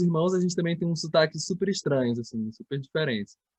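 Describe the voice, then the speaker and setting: A man talks in a high voice whose pitch varies in an ordinary way. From Ceará, Brazil (mother from Minas, father from Pará). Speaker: physics teacher. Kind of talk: online class, casual chat.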